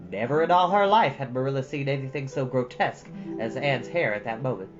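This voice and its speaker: A woman's voice: extremely low pitch, brisk, highs cut off. A woman reading a storybook aloud expressively as a storytime host. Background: instrumental music.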